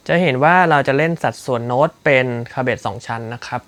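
A man's voice: medium pitch, fast talker. A man teaching a rock guitar solo lick, explaining technique politely with frequent fillers. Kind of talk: casual instructional talk. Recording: guitar playing behind the voice. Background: loud electric guitar music.

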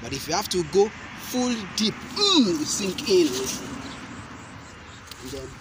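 A young man demonstrating self-defense moves, explaining each step slowly and deliberately, with sharp shouted cries on the strikes. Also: sits high, very animated. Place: outdoor concrete court. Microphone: camera mic at a distance. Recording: outdoor noise from a camera mic.

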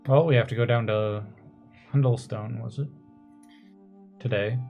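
A man's voice: medium pitch, steady tone, a little slow, gravelly, dull audio, faint music behind. A man playing a cautious, polite adventurer with formal wording in a tabletop game.

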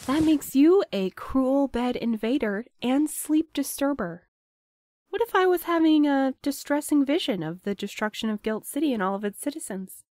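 A woman's voice: high-pitched, expressive, moderate pace, darkish tone, no echo. An actress playing a drowsy, teasing, wary young woman who banters dryly in an audio drama. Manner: dry, bantering.

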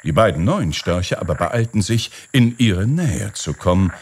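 A man reading a fairy tale aloud as an audiobook narrator, with expressive storytelling. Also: deep voice, unhurried, slightly rough.

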